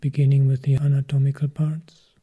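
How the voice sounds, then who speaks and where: A man, a Buddhist monk, guiding a meditation in a calm, measured way, with long pauses and a soft, often half-whispered voice. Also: mid-range voice, breathy edge, phone-quality sound. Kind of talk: guided meditation instruction.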